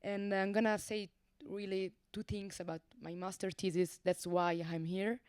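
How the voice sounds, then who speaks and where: A woman's voice: mid-range voice, level tone, normal speed, a little mellow, smooth, no room sound, clean studio sound. A young woman from Ticino whose first language is Italian, presenting her master's research on a panel in an earnest way, often restarting her phrases. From Ticino, Switzerland.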